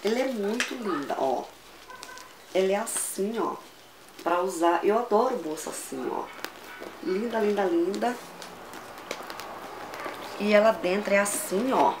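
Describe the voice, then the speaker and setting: A Brazilian woman vlogging a casual shopping haul, gushing and excitable, repeating words as she shows each item. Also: mid-range voice, measured pace, long pauses, noisy background. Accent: Brazilian Portuguese. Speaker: fashion vlogger.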